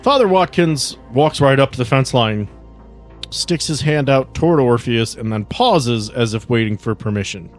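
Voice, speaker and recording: A man's voice: medium pitch, animated, normal speed, faint music behind. A man narrating a tabletop roleplaying game as the game master.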